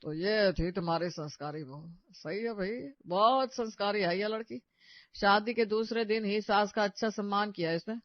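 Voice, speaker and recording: A man's voice: high voice, moderate pace, dry recording, lightly acted. A man voicing an older father-in-law in a cartoon story who teases his wife sarcastically. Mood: teasing. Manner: sarcastic, teasing. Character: teasing older father-in-law, dry and mocking. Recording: dry, slightly dull audio.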